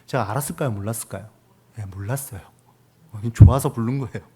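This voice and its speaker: A man's voice: lowish voice, fast talker, dark tone, slightly rough. A man in his thirties, a pastor delivering a conversational sermon with rhetorical questions. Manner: conversational preaching with acted quotes and rhetorical questions.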